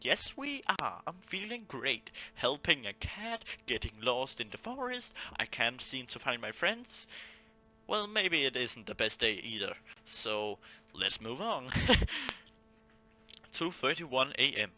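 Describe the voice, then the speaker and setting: A man's voice: medium pitch, big pitch swings, slow, bright, forceful tone, rough recording. A man hosting a gaming video, reading a visual novel aloud theatrically, stumbling over words and talking to himself between lines.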